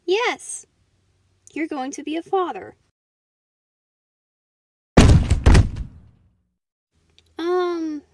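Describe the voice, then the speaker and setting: A woman's voice: high voice, a bit bright, no room sound, far from the mic, full character voice. A woman voicing a nervous pregnant female animal, hesitant and tentative with her mate.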